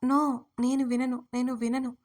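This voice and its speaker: A woman voicing a young woman in an audio story who shouts through her tears. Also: high-pitched, flat delivery, a little slow. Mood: tearful anger. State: crying. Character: young woman Akruthi, tearful and angry.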